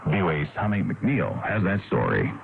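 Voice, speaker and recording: A man with an American accent anchors a scripted radio news bulletin in a formal, measured announcer delivery. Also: sits low, sing-song, gravelly. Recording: noisy narrowband shortwave radio broadcast.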